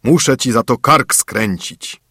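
A man voicing a huge, boastful male spirit in a storybook reading, with a husky, booming, menacing delivery. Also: takes it slowly, sharp tone, dry recording, studio quality, exaggerated voice.

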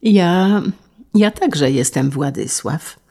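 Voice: mid-range voice, animated, drawn-out words, creaky, dark tone, heavily acted. A narrator voicing a shy, stammering orphan boy. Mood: earnest. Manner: hesitant, stammering, earnest. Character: shy orphaned schoolboy in a uniform. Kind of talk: audiobook character reading.

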